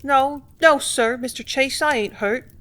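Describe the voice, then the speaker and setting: A woman's voice: fairly high pitch, expressive, unhurried, a bit bright, voice pushed up. Woman doing a breathless adoring young girl. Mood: tearful. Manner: breathless, gushing, plain country speech.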